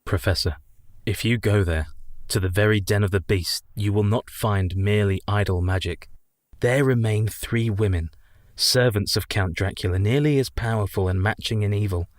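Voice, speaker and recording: An actor playing an earnest young husband in a radio play, measured and resolute. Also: male voice, on the low side, no echo, clean studio sound, close to an everyday voice. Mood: cautious, resolute. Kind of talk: community radio play acting.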